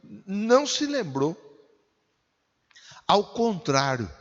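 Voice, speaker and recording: A pastor in his forties with a Brazilian accent talks slowly and chattily through his sermon, throwing questions out to the congregation. His voice sits a bit high and carries a gravelly edge. The sound is dull and lo-fi, with a long echo trailing behind him as if in a hall. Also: big pitch swings. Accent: Brazilian Portuguese. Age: 40s. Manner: conversational preaching with rhetorical questions.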